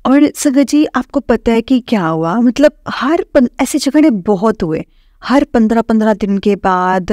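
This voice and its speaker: A woman's voice: a little high, a little mellow, dry recording, clean studio sound. Earnest young woman telling her story. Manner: earnest, conversational, many fillers. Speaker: satsang devotee sharing her story. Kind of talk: personal testimony told to a congregation.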